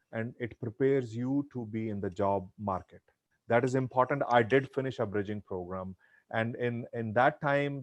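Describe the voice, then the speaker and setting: A man's voice: medium pitch, no echo. Man, earnest advice-giver on a video call, dry close sound. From India. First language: Punjabi. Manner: earnest, advising, with frequent restarts. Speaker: guest speaker. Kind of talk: virtual Q&A chat.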